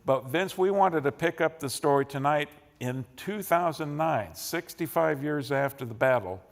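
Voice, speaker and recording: A man's voice: a little high, lively intonation, normal speed, vocal fry. A man with an American accent hosting an interview, introducing his guest in semi-formal, unscripted talk. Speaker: interview host. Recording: echoey hall with long reverb.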